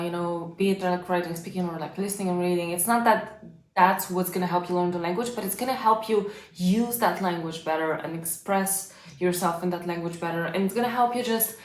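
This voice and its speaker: A young woman with Bulgarian as her first language giving a casual, chatty lesson on language learning, full of fillers. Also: medium pitch. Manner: chatty, lots of fillers like "like" and "you know". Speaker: language coach. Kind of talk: casual advice lesson to camera. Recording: echoey room.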